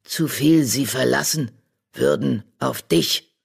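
A narrator voicing Mitternacht, a wise old female badger in an audiobook, who talks slowly with broken word order. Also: medium pitch, vocal fry, breathy edge, exaggerated voice. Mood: solemn.

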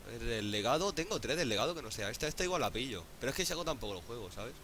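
A man with a Spain Spanish accent doing casual gameplay commentary, excitable, swearing often and pleading out loud. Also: mid-range voice, racing, slight background noise. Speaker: gaming YouTuber.

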